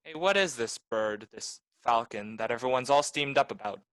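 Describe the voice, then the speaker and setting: Man acting as wisecracking private eye, bright forceful voice, dry close sound, sardonic, clipped, 1940s radio noir. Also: medium pitch, normal speed, no echo, natural voice, rough recording. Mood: blunt, probing. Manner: clipped, sardonic tough talk. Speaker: voice actor.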